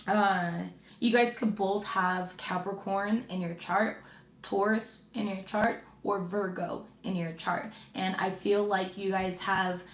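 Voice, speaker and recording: A woman's voice: mid-range voice, steady tone, slow, roomy sound. A woman reading tarot cards to her viewers in a chatty, reassuring way, with frequent fillers and check-ins. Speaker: tarot reader.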